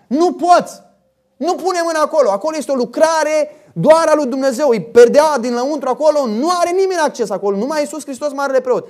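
A man preaching a sermon, emphatic and forceful, often checking in with his listeners through quick rhetorical questions. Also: extremely high pitch.

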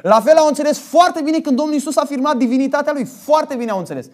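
High-pitched guy giving a sermon, really emphatic, keeps tossing in little questions to the crowd. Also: animated, a little mellow. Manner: emphatic, with frequent rhetorical tag questions. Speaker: preacher.

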